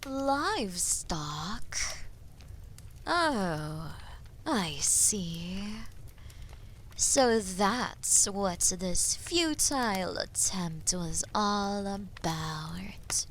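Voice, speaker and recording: A woman voicing a haughty, menacing female dragon in a fantasy audio roleplay, taunting and condescending, with a breathy voice that often drops toward a whisper. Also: medium pitch, expressive, a bit bright, a little hiss or hum. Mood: mocking, amused. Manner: taunting, condescending, theatrically slow and deliberate. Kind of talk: scripted fantasy audio roleplay addressed to the listener.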